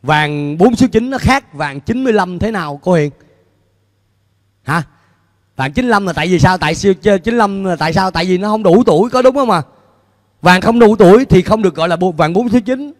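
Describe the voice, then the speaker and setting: A middle-aged man preaching a sermon as pastor on a church stage with a handheld mic, animated and putting questions to the congregation. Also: sits high, brisk. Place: church stage before a large screen, indoors. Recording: long hall reverb in a large church.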